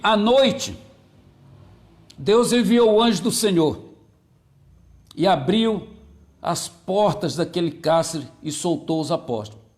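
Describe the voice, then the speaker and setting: A male pastor preaching a sermon, repeating key phrases and greeting viewers by name between points. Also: animated. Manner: slows and drops low on key phrases, repeats them.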